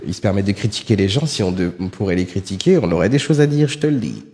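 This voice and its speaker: A man's voice: fairly low pitch, lively intonation, fast talker, darkish tone, in a large hall. A man streaming live, commenting on videos and chatting with viewers in a sarcastic, rambling way with lots of fillers.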